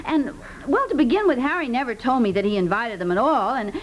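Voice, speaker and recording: A woman playing a flustered, apologetic, dithering neighbour with halting, repetitive speech in 1950s radio comedy. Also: fairly high pitch, lively intonation, natural voice. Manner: halting, stammering, breathlessly repetitive. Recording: noisy vintage 1950s radio recording.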